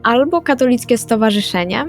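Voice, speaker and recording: A woman talks casually as a player in a role-playing game. Her voice is somewhat high, with faint music playing behind it. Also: lively intonation, brisk. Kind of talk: casual in-character table talk. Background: background music.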